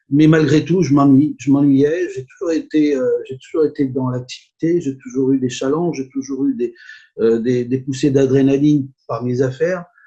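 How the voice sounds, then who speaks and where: At a moderate pace, a man talks in a fairly high pitch with a dark, mellow tone, somewhat breathy and with fairly even intonation. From northern France, Haute-Normandie (Gisors). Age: 70s. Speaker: retired business owner, online seller. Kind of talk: interview. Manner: halting, many repetitions and fillers.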